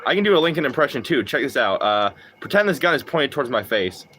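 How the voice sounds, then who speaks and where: A young man live-streaming a game, chatting casually, swearing and getting excited. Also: a little hiss or hum. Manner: profane, excitable, quick swings in pitch. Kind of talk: casual live-stream chat while gaming.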